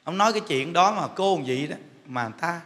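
A man's voice: fairly high pitch, expressive, fast, fairly bright tone. A man with a Southern Vietnamese accent, a Buddhist monk giving a humorous dharma talk in a chatty, joking storytelling way. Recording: echoey hall with faint noise.

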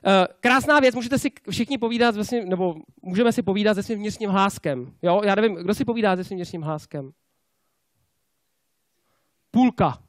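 A man with a high-pitched voice delivers a lively motivational sales talk at a conference. He keeps tossing rhetorical questions at the crowd and tags his points with quick checks for agreement. The sound is dry and close. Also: no room sound. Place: conference stage before a live audience.

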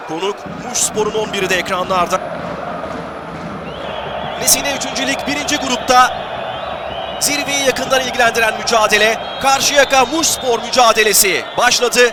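A man's voice: extremely high pitch, moderate pace, long pauses. A man giving live football play-by-play as match commentator, in controlled, clipped phrases that name the players. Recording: loud crowd noise behind broadcast commentary. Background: stadium crowd.

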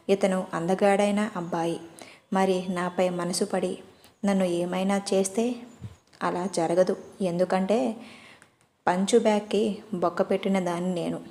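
A woman's voice: medium pitch, mellow, natural voice. A woman playing a cheeky eighteen-year-old girl. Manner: playful, pleading. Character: cheeky runaway girl of eighteen, quick fibber.

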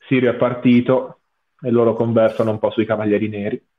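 On an anime watch-along, a male panelist gives casual live commentary a little fast, his voice medium-pitched and even, and he tends to repeat phrases for emphasis. The video call audio comes through muffled and narrow-band.

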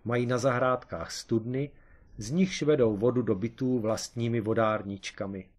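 A man voicing an excitable, scheming amateur detective in a comic storybook reading, with an eager, explaining manner and a raised voice. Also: mid-range voice, natural voice.

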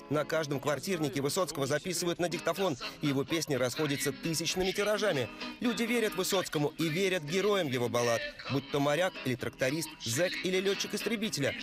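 A man narrating a scripted news report in a measured, solemn voice-over. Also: on the high side. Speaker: news correspondent. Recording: voice-over with music bed.

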